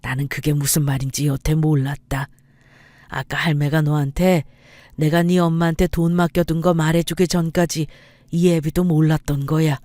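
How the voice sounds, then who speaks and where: A woman voicing the ghost of a gentle, regretful father, speaking slowly and tenderly in a storybook tale. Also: deep voice, level tone, dry recording, natural voice. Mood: earnest.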